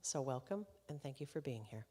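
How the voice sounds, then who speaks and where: Emceeing a live concert, a woman with a low, expressive voice and a breathy edge talks to the crowd a little quickly in an easygoing, warm way, often laughing. The concert hall gives her words a long, ringing reverb.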